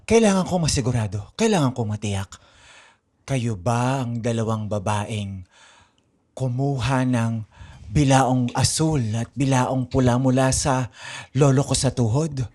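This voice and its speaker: A woman's voice: rumbling low, warm tone. A woman playing a solemn, courtly male shopkeeper with formal, archaic speech in an improvised radio drama. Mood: urgent. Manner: formal, archaic wording, deliberate.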